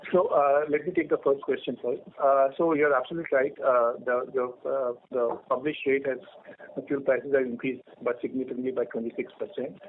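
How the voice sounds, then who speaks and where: Man with halting speech, tinny phone sound. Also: mid-range voice. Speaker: airline executive on an earnings call. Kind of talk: answering analyst questions on a conference call. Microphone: telephone conference line. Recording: phone-like line with faint background noise.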